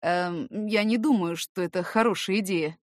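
A woman's voice: fairly low pitch, normal speed, no echo, clean studio sound, lightly acted. A woman voicing a cool, guarded and irritable young male student in an audiobook, with curt delivery. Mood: doubtful. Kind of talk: scripted audiobook character voice.

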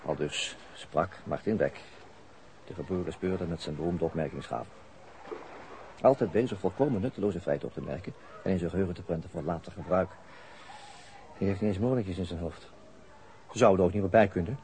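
A man's voice: deep voice, brisk, long pauses, a little mellow. An actor playing a wry, self-mocking police detective in a radio drama, dry and sometimes hesitant in his delivery. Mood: sardonic musing. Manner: dry, sardonic, hesitant when talking. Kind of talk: radio drama dialogue and ironic inner monologue. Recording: noisy radio play with background ambience.

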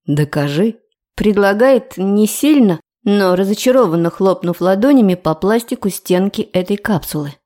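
A young woman narrating a first-person audiobook in a lively, ironic way. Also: medium pitch, moderate pace, few pauses.

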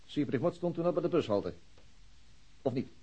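A man acting in a radio drama as a stern, probing police detective, husky and formal, putting insistent questions. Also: fairly high pitch, animated, normal speed, warm tone. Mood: businesslike.

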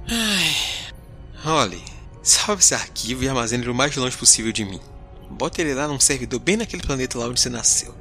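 A man's voice: mid-range voice, a little fast, faint music behind. A man playing a jumpy, wisecracking space explorer. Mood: spooked. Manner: expressive, comically jumpy reactions.

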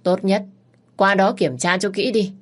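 A spoiled, scheming young mistress protesting in an indignant, insistent tone, as a woman narrator voices her. Storybook delivery, pitched somewhat above the narrator's own low voice. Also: steady tone, measured pace, lightly acted.

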